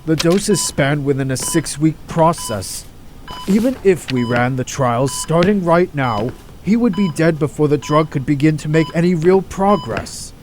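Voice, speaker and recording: In an amateur audio drama, a man plays an earnest, troubled hospital doctor, speaking deliberately and dramatically with halting pauses and a grave mood. His voice is a little high, expressive and slightly mellow, with soft music in the background.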